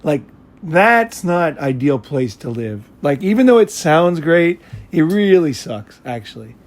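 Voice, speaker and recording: Casual American male talker, slightly high voice, loose and rambling, unfiltered and sweary. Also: very animated, a little slow. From United States. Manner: rambling, blunt, profane. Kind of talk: casual chat.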